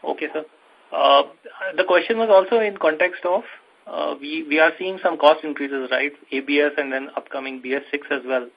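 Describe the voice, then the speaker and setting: An Indian-accented man asks polite analyst questions on an earnings call. His voice is husky and a little high, carried over a dull phone line. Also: fairly even intonation, moderate pace. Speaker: financial analyst asking questions.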